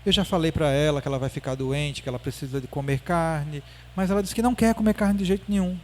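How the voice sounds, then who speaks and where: A man's voice: on the high side, quick pace, a little hiss or hum, natural voice. A man voicing a worried mother who pleads with a doctor about her daughter, inside a spoken lecture. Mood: pleading.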